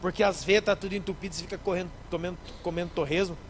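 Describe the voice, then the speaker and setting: A man, a pastor preaching a sermon in church, lively, acting out little scenes and speaking straight to the congregation. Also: high-pitched, racing, a little hiss or hum, poor audio. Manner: animated, acts out scenes, addresses the congregation directly.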